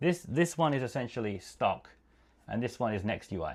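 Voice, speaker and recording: Man with an English accent, medium-pitched, at a moderate pace with lively intonation, in a very clean recording with a silent background. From England. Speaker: retro handheld gaming streamer. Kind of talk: live stream chat. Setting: live stream. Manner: casual, chatty.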